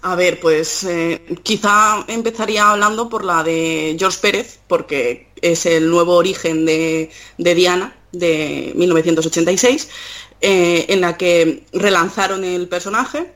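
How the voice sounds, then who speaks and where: Woman podcast guest, casual comic-book chat, thoughtful, many ums and pauses. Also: fairly low pitch, steady tone, a bit bright. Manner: thoughtful, hesitant with many fillers.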